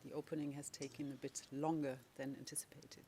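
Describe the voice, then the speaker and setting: A legal representative speaking in a measured, deliberate way while questioning a witness in court. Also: medium pitch, level tone, mellow, husky.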